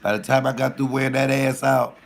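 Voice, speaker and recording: A man with a deep voice telling a profane, animated comic story in casual storytelling style, laughing at his own jokes. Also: a little fast, creaky. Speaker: comedian host.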